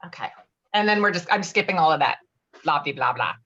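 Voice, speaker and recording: A woman reading stage directions at an informal script table read, a bit halting, with casual asides. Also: low voice, animated, a bit bright, slightly rough, muffled recording.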